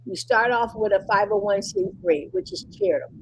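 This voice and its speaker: Higher-voiced woman teaching an informal webinar. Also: big pitch swings, a little fast, creaky, poor audio. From Cleveland, Ohio. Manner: repeats points, checks in with "all right?". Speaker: presenter teaching about nonprofits. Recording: faint background noise on webinar call.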